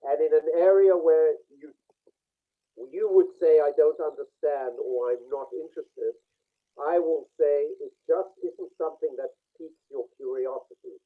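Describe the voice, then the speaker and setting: A man's voice: fairly high pitch, a little slow. Man on a tinny video call. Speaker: face reading speaker. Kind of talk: online group session. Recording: tinny phone-like call audio.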